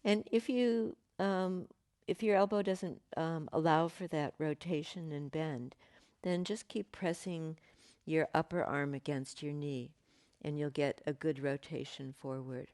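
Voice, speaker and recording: A woman teaching a yoga class, giving gentle, unhurried cues with pauses and fillers, her voice slightly croaky. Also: low-pitched, steady tone, dry recording, clean studio sound. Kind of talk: guided yoga class instruction.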